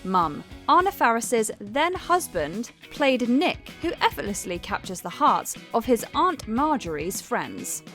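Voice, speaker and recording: A woman's voice: fairly high pitch, sing-song, measured pace, few pauses, fairly bright tone, faint music behind. Wry upbeat woman narrating a countdown. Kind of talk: scripted narration.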